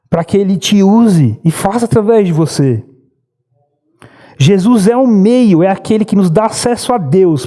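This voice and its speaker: A man in his thirties with a Brazilian accent, preaching a sermon in church and telling stories earnestly. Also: warm tone. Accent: Brazilian Portuguese. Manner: earnest storytelling preacher, rises in pitch when urging. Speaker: pastor. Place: church sanctuary.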